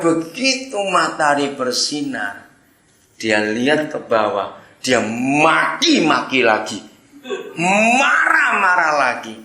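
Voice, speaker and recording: Male preacher, bright and lively, storytelling sermon, echoey hall sound. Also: medium pitch. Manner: animated, acts out voices and sound effects.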